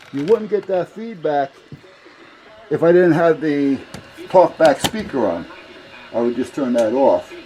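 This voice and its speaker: A man with a mellow, slightly high voice presents a casual hands-on demo as a hobbyist, wandering along in a folksy manner. The recording is low quality, made on a camera mic about a foot away, with background noise and radio sounds plainly heard.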